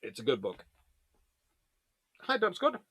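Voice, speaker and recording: A man's voice: medium pitch, wildly swooping pitch, unhurried, gravelly, sharp tone, husky, dry recording. A man hosting a naval history show, reading aloud from books and chatting informally as he reviews them and answers questions.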